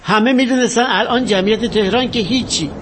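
Guy doing a boastful washed-up actor, high-pitched and theatrical, bit of hiss behind. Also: natural voice. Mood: boastful reminiscing. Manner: grandiose, theatrical, bitter. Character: faded vain male actor, boastful, half-mad. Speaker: actor in a stage or film drama. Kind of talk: dramatic monologue acting.

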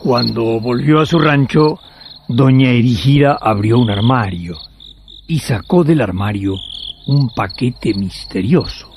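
A man telling a story for a radio play in poetic, deliberate phrases with pauses. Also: mid-range voice, noisy background. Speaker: narrator. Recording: music behind the voice.

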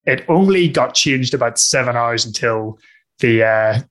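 A man with a Northern Irish accent answering interview questions in a thoughtful, conversational way, pausing often with fillers and restarts. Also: mid-range voice, a bit bright. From Northern Ireland. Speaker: guest discussing customer success.

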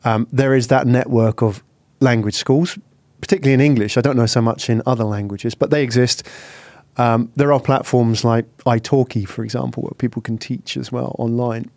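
Male host asking brisk questions. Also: mid-range voice, steady tone, darkish tone, dry recording. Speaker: interviewer, host. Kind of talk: interview conversation.

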